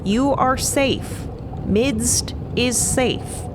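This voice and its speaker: A woman voicing a high, formal, otherworldly horned gentleman. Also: extremely slow, background noise. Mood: solemn, reassuring. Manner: stilted, precise, formal phrasing. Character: calm, formal, horned veiled male otherworldly being, protective.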